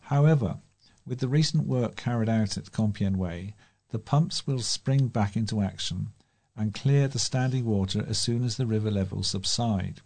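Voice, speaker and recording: British man reading news, gravelly, mellow voice. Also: lowish voice, moderate pace. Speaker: volunteer newsreader. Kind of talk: reading local news aloud.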